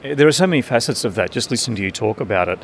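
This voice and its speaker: A man presents a radio segment, introducing guests and asking questions in a smooth, conversational way. His voice sits at a middling pitch. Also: lively intonation, rapid-fire, a little hiss or hum. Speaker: radio interviewer. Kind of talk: radio interview.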